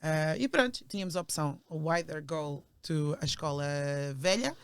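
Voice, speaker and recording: A woman's voice: sits low, expressive, moderate pace, clean tone, dry recording. A woman, chatting casually as an interview guest, often laughing and slipping into English phrases. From Portugal and England. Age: 40s. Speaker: podcast guest, teacher.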